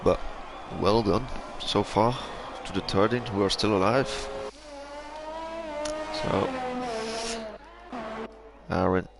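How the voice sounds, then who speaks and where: Belgian-accented man, sim race commentator, gravelly, halting, loud music underneath. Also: on the low side. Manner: hesitant, many fillers and restarts. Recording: game engine noise and loud music behind. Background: engine noise and music.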